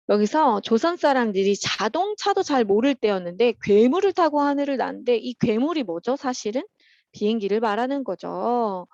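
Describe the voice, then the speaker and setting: Lively woman teacher, dry lo-fi sound. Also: a little high, vocal fry, dry recording. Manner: patient and chatty, opens steps with "자" and fills pauses with "어". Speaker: teacher at a private academy. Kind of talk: explaining workbook answers to children.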